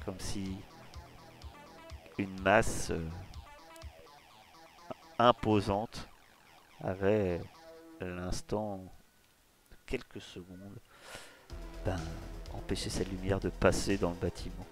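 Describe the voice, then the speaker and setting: A man guides players through a horror tabletop game, setting each scene slowly and with care. His voice sits low and his pace drags as he describes things step by step, with faint music behind him. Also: flat delivery. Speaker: game master.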